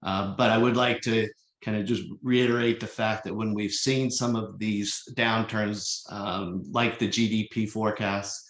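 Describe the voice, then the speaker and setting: A man giving a slide presentation at a virtual public meeting as a consultant, speaking in a measured, explanatory but halting and hesitant way. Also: on the low side, fairly even intonation, fairly bright tone. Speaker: consultant presenting an air cargo forecast. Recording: echoey, roomy voice pickup.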